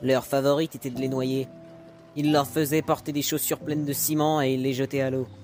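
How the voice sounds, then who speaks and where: A man's voice: medium pitch, little pitch movement, a little fast, a little mellow, faint music behind, natural voice. A man voicing a sassy, slangy, teasing gay demon who grew up in the mob, in a French fan comic dub. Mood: confiding. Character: sassy, crude, teasing gay male spider demon ex-mobster.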